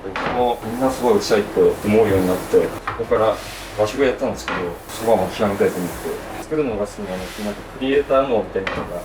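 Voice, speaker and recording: A man's voice: lowish voice, quick pace. A man, a sushi chef, politely explaining his kitchen work in a matter-of-fact way while he works. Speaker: sushi restaurant owner-chef. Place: restaurant kitchen during prep. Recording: roomy kitchen, distant mic, clear working noise.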